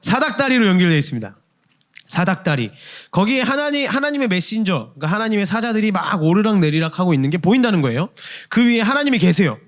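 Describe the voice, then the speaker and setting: A man's voice: sits high, quick pace. A young man preaching a sermon at a youth church service, talking with the congregation and acting out quoted inner voices. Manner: lively, conversational preaching with questions to the congregation. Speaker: youth pastor.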